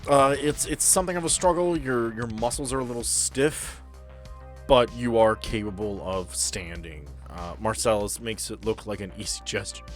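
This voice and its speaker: A man's voice: lowish voice, moderate pace, soft background music. A man acting as game master, narrating a tabletop game in a casual, descriptive, slangy way.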